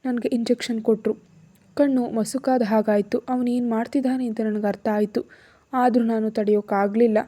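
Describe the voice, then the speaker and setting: Scared young student read by a woman narrator, soft pleading tone, mellow voice. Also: fairly high pitch, steady tone, moderate pace, close to an everyday voice. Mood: tearful.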